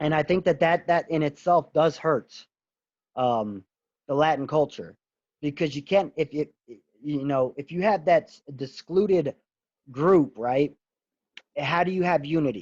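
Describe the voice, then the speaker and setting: A man with a Puerto Rican accent talks at a fairly high pitch and a fairly slow pace. He leaves long, frequent pauses against a quiet background. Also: ordinary pitch variation. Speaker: former prisoner. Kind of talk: podcast interview. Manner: animated.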